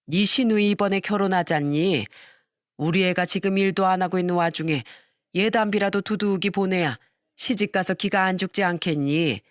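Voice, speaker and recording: A woman's voice: lowish voice, dry recording, clean studio sound, lightly acted. Woman voicing a coaxing, scheming mother-in-law. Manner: slow, coaxing, self-pitying. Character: scheming greedy middle-aged mother-in-law.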